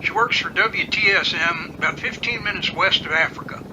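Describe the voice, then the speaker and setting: A man's voice: sits high, normal speed, lightly acted. A man playing a straight-faced, by-the-book helicopter pilot in an amateur audio drama, dryly unflappable and matter-of-fact. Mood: deadpan. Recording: hissy, noisy radio-drama track with outdoor ambience.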